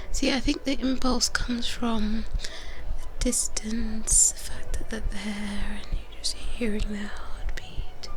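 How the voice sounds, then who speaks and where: A woman voicing a gentle vampire twin who mentors a fledgling in a soothing ASMR roleplay. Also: fairly high pitch, background noise, lightly acted. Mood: reassuring. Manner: slow, gentle, soothing whispered delivery. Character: female vampire twins, nurturing mentors to a fledgling, teasing each other. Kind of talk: ASMR roleplay, personal attention.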